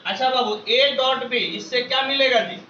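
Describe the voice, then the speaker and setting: A man teaches a class in a very high, bright, forceful voice, calling out questions again and again so the room answers back together. He sounds distant and echoey, as if picked up by a camera across a classroom, with a dull, slightly muffled tone and faint background hiss. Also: normal speed. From Bihar. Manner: call-and-response drilling, loud repeated questions to the class. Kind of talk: classroom drill lecture. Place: classroom with students.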